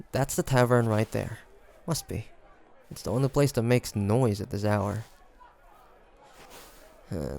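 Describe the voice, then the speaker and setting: A man's voice: mid-range voice, gravelly, darkish tone, a little hiss or hum. A man playing a curious, teasing demon hunter in an audio roleplay, talking to the listener in a hesitant, conversational way. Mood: casual. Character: male demon hunter traveler, curious, teasing, softly tsundere. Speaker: voice actor.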